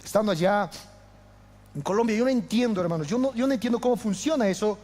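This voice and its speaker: High-voiced impassioned pastor in reverb. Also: male voice, quick pace. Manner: impassioned, swinging from loud to hushed. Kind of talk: sermon.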